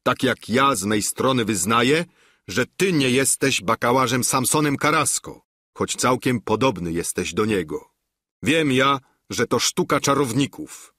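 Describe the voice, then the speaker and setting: A man's voice: mid-range voice, lively intonation, measured pace, sharp tone, no room sound, studio quality. A man voicing a deluded older knight who declaims in a commanding, solemn way in an audiobook.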